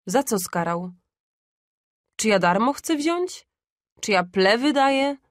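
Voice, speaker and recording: A woman's voice: fairly high pitch, slow, dry recording, studio quality. A woman voicing a phlegmatic male junk trader haggling stubbornly over a price. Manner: stubborn, calm bargaining.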